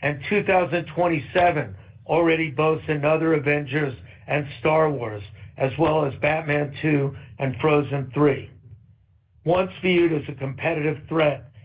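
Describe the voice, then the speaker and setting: A man, a company executive, reading prepared earnings call remarks in a steady, upbeat way. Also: a little high, unhurried. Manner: steady, upbeat, read from a script. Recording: muffled conference call audio.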